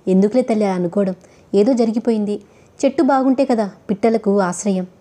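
A woman voicing a kindly, world-weary old male chauffeur who speaks in a gentle, consoling way. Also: medium pitch, brisk, natural voice.

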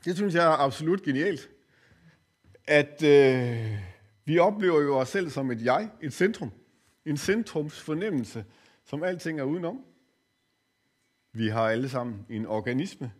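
An older man giving a spiritual lecture in a course center, speaking reflectively and pausing often with hesitant fillers. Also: on the high side, expressive.

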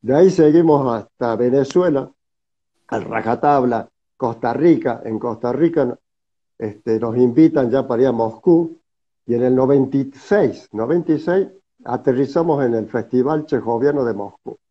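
A man's voice: medium pitch, normal speed, breathy edge. A man in his seventies with a Cordoba Argentine Spanish accent, telling stories casually as an interview guest on a video call. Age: 70s. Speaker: interview guest, theatre director. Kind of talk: casual storytelling conversation. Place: indoor room, video call. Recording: slightly muffled video-call audio.

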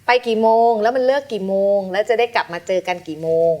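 A woman's voice: mid-range voice, fast talker. A woman guest on a talk show, telling her story and acting out the voices of people in it. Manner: animated, acts out quoted voices. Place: television studio.

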